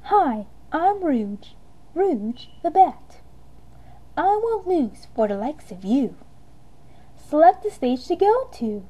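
A woman's voice: sits high, big pitch swings, takes it slowly, mellow, pitched above the performer's own voice, full character voice. A woman voicing a sassy female cartoon bat treasure hunter in a showy way, for an amateur audition. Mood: sassy, teasing.

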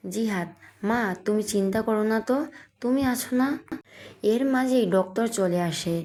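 A woman reads a romantic audio story aloud, voicing every character herself. She names each speaker before their lines and keeps to her own everyday voice at a middle pitch. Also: measured pace, mellow. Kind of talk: scripted story reading with character dialogue.

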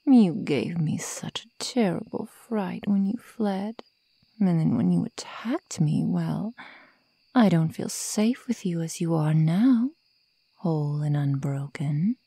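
A woman playing a sadistic female werewolf toying with human prey in a breathy, menacing, mockingly sweet ASMR roleplay whisper. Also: fairly low pitch, expressive, takes it slowly, dark tone, no room sound, full character voice. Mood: soft menace.

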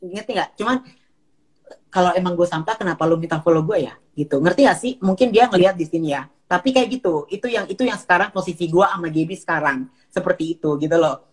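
A woman chatting on a livestream, animated and repetitive, often mimicking others in a higher voice. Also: fast. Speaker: livestream guest. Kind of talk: casual livestream chat.

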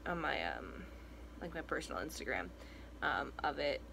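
With background noise behind him, a young trans vlogger speaks at normal speed in a fairly high, creaky voice with big pitch swings. He rambles through a casual home update in a small room, using many fillers and restarts, and his voice cracks now and then.

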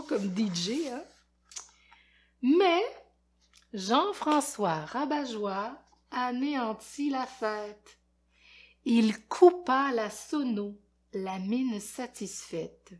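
Enseignante québécoise, lecture jeunesse posée et rythmée, voix un peu aiguë. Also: female voice, on the high side. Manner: lively, rhythmic, asks children questions. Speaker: teacher and storyteller. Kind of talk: reading a picture book aloud to children.

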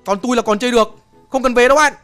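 A young man giving excitable live gameplay commentary, full of exclamations and brash trash talk aimed at opponents. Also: very high-pitched, rapid-fire, faint music behind. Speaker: gaming streamer.

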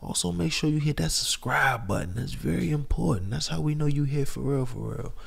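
A young adult man co-hosting a podcast, laid-back and smooth as he wraps up the episode. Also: on the high side, lively intonation, a little fast. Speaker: podcast co-host. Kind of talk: casual podcast chat and sign-off.

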